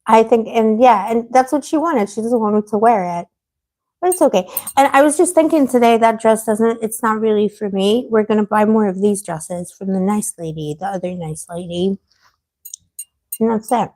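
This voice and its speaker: A woman hosting a tarot livestream in casual, rambling chat, full of fillers and restarts, gossipy and quick to laugh, with a voice that has been fading. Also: medium pitch, dark tone. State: losing her voice. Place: living on a Mediterranean island.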